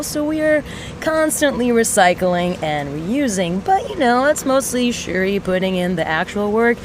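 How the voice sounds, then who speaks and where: A woman playing a sardonic mechanic in a sci-fi audio drama, rambling to a listener with mock-solemn, theatrical pauses. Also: medium pitch, background noise, natural voice. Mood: wry, musing. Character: sardonic, rambling young female mechanic in an underground resistance.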